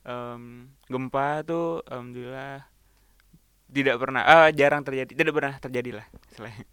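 A young man from East Kalimantan, a guest in a casual chat, relaxed and quick to laugh. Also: mid-range voice, clean tone, no echo, studio quality. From East Kalimantan, Indonesia. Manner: relaxed, laughs often, acts out quoted speech.

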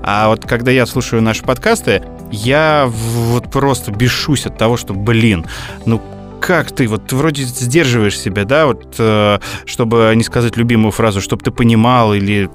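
A male podcast co-host chatting casually, telling a long story and often pausing on filler sounds. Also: medium pitch, faint music behind. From Moscow region. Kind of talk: casual chat.

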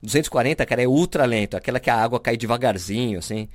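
Man, from Brazil, podcast co-host, casual chat, mid pitch, dry recording. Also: very fast, no echo. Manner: chatty, explains with many fillers and restarts.

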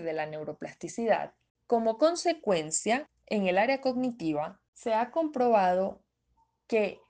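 A woman's voice: mid-range voice, darkish tone. A woman presenter explaining a topic in a methodical way, often restating her key terms. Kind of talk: explanatory talk.

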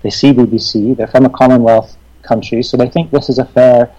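Mellow-voiced man, halting. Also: mid-range voice, fairly even intonation, lo-fi sound. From Western Canada. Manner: thoughtful, halting, many restarts. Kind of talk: reflective conversation.

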